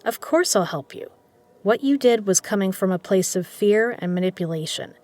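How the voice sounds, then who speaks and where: A woman playing a shrewd poker legend who runs an underground casino, speaking in a measured, persuasive way in a scripted audio drama. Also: medium pitch, lively intonation, a little mellow, natural voice. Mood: resolute, persuasive.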